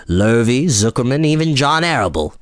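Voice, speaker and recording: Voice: mid-range voice, big pitch swings, moderate pace, no room sound, clean studio sound, lightly acted. A storyteller voicing a world-weary old female sheep in a storybook, blunt and matter-of-fact. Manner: matter-of-fact, gossipy delivery of bad news.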